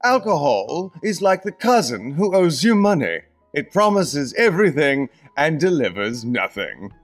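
An actor playing an idle, pampered young upper-class twit in a comedic radio play, affected and exclamatory. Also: male voice, a little high, sing-song, unhurried, faint music behind. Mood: wry.

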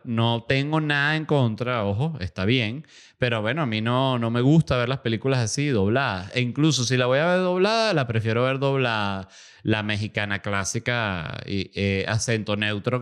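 A man's voice: mid-range voice, moderate pace, clean tone. A man hosting a podcast, rambling through a casual comedic monologue full of fillers and self-corrections. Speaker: podcast host.

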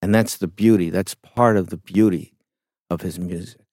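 A middle-aged man, a songwriter guest in an interview, talking in a reflective, unhurried way with frequent fillers. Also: low-pitched, fairly even intonation, a little mellow, dry recording, studio quality. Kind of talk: conversational interview storytelling.

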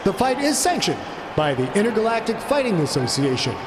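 A man voicing a male ring announcer who stretches and shouts his words to hype a crowd. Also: sits high, sing-song, brisk, background noise, pitched above the performer's own voice. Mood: booming. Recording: roaring crowd behind.

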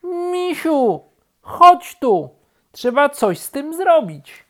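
Woman voicing a shrill, frazzled, grumpy storybook rabbit. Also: sing-song, very slow, heavily acted. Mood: exasperated. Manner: exasperated, shouting complaints. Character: grumpy, frazzled male rabbit craving peace and quiet.

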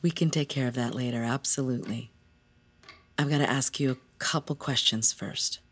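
An actor playing a calm psychiatric doctor, questioning a patient gently and clinically. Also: mid-range voice, normal speed, slightly rough. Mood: gentle.

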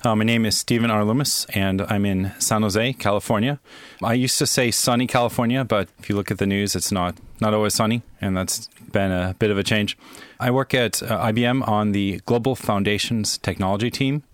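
Male American podcast guest, lower register, close dry recording, casual explanatory delivery. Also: steady tone, fairly quick, no echo.

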